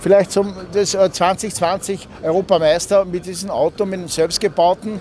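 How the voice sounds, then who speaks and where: A man talks high in pitch with monotone, flat intonation. His loudness swings widely over noticeable background noise. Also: moderate pace. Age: 60s. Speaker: amateur racing driver. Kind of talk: casual interview. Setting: outdoors at race track. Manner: halting, many fillers.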